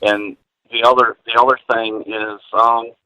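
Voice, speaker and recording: A man's voice: medium pitch, little pitch movement, unhurried, sharp tone, clear, resonant tone. A man speaking as a guest author, giving casual advice in conversation. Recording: dull, lo-fi remote sound.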